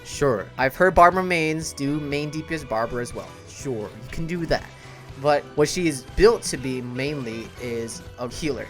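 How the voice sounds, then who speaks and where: A man's voice: medium pitch, animated, normal speed, soft background music. A man giving casual, explanatory game commentary in a conversational, emphatic way, as a content creator.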